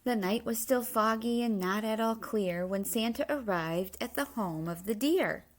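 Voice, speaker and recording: A woman reading a children's picture book aloud, with measured, expressive storytelling in rhyme. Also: fairly high pitch. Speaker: story reader.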